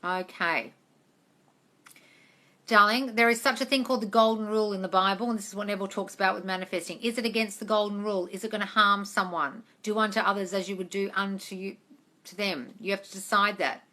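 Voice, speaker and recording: This manifestation coach, a woman in her forties, runs an informal live question-and-answer chat, calling people "guys" and "darling." Her mid-range voice is steady, fairly quick, bright and forceful, captured close up on a phone.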